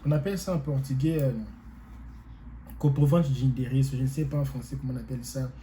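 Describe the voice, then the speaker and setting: A man's voice: medium pitch, fairly even intonation, quick pace, warm tone, a little hiss or hum, rough recording. A man who is not a native French speaker gives casual advice to his viewers, rambling, repeating himself and hesitating often. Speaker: vlogger giving advice.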